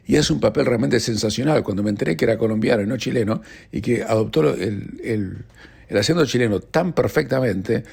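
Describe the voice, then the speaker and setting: A man's voice: mid-range voice, creaky, darkish tone, breathy edge. A man with an Argentine accent hosting a radio news show, chatting casually with wry, ironic asides. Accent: Argentine Spanish. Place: radio studio.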